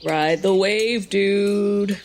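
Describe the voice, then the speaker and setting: A woman's voice: mid-range voice, drawn-out words, a little mellow, a little hiss or hum. A woman playing a tabletop game, describing her moves in a laid-back, casual way.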